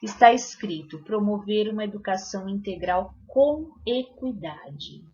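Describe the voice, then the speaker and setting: A woman's voice: medium pitch, lively intonation, a little slow, dark tone, lo-fi sound. Woman formally reading out references. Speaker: presenter at teacher training. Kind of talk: reading prepared training presentation.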